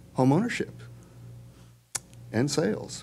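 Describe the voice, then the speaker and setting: Over music in the background, a man speaks slowly-ish at a fairly high pitch, keeping a fairly slow pace. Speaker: public commenter at zoning hearing. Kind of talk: public comment at a meeting. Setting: public meeting at a microphone. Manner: loud.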